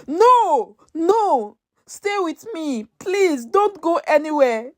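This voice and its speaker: A woman's voice: very high-pitched, very animated, extremely slow, a bit bright, no room sound, pitched above the performer's own voice, heavily acted. Woman playing a sincere young female immigrant, loyal, struggling, story drama, dry sound. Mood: crying, pleading.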